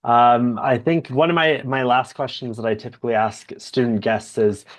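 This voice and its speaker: A man's voice: mid-range voice, steady tone, moderate pace. A young man hosting a video call interview, asking friendly questions from a home office. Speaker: host. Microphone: video call webcam.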